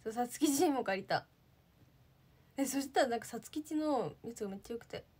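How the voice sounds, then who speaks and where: A slightly high-voiced young woman from Japan chats casually into her phone. She sounds bubbly and talkative as she reads viewer comments and thanks them one by one. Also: expressive, fairly quick, darkish tone, slightly rough. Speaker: idol livestreamer. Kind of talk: casual livestream chat reading comments.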